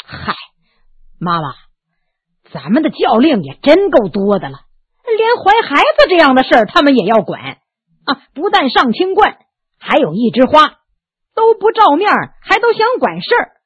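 A woman's voice: high voice, wildly swooping pitch, normal speed, long pauses, no room sound. A woman voicing a timid, grumbling male servant in a storybook reading, hesitant and stammering before he complains. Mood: fretful. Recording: tinny narrow phone-like sound, dry.

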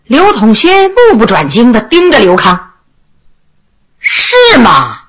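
A woman narrating a historical tale in an expressive, unhurried, dramatic reading style. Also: a little high. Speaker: storyteller. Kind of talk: storytelling narration of a historical novel.

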